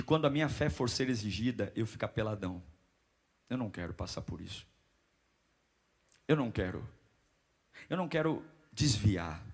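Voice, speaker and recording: A man around forty preaching a sermon, moving from calm teaching into loud, rhythmic, repetitive exhortation. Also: medium pitch, husky. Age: 40s.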